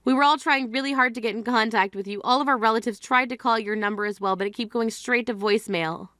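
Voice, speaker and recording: Woman doing a fed-up grieving sister, high bright voice, scolding hard, dry close sound. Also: quick pace, dry recording. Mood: reproachful. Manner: scolding, exasperated. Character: exasperated grieving sister, blunt and indignant. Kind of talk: scripted drama acting.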